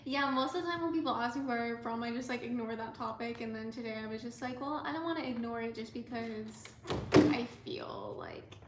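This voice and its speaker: A young woman from the United States, hosting a casual livestream as an artist. She talks softly and rambles with lots of "like" and "um", sometimes dropping almost to a whisper. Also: on the high side, brisk. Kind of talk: casual livestream chat with viewers. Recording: echoey room with faint ambient noise.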